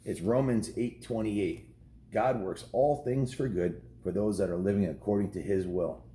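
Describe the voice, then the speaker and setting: An American man in his fifties reads a story to kids in a low, very mellow voice. His delivery is folksy and informal, slipping into casual asides and correcting himself as he goes. The room adds noticeable echo. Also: moderate pace. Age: 50s. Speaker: storyteller reading a children's book to kids. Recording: roomy echo with faint background noise.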